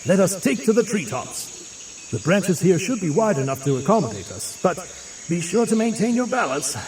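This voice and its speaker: A man's voice: sits high, sing-song, normal speed, darkish tone, slight background noise. A man playing an erudite, genial mutant scientist in an audio drama, speaking in a florid, pompous, theatrical manner with bookish words. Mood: jolly, encouraging. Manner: florid, pompous, bookish vocabulary with emphatic delivery. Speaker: scientist guide.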